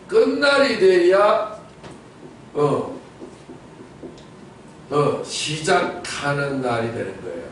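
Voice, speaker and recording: A man preaching a Sunday sermon as pastor, questioning his congregation and repeating key words for emphasis. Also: medium pitch. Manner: rhetorical repetition and sudden loud outbursts. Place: church sanctuary. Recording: echoey church from a distance, faint noise.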